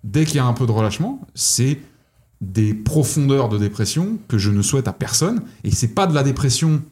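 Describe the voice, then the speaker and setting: A man's voice: medium pitch, expressive, a little fast, darkish tone. A man co-hosting a podcast, arguing his point in an intense, insistent and philosophical way. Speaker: podcast co-host. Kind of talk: casual podcast chat.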